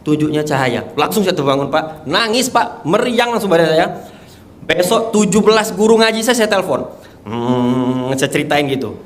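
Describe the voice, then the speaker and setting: A man's voice: a little high, lively intonation, moderate pace. A young man, telling his testimony with emotion and emphasis, laughing often as he talks. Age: young adult. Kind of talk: animated testimony before a live audience.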